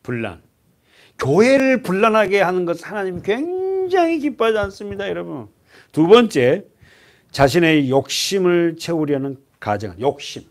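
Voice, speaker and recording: A male pastor preaching an expository sermon in a church, keeping it lively by quizzing the congregation and dropping to a hushed voice for grim points. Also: sits high, moderate pace. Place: church sanctuary.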